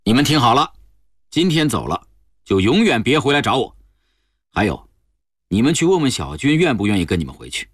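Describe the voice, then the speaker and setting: Guy doing a snooty cold healer, short and dismissive, bit husky, lively pitch. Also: brisk, pauses often, no room sound, studio quality. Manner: curt, dismissive. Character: arrogant cold middle-aged male healer.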